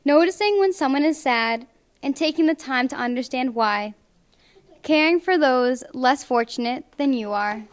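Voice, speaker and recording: A young woman reading a picture book aloud to children in clear, deliberate phrases at a library. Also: sits high, expressive. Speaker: volunteer storybook reader. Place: public library, indoors.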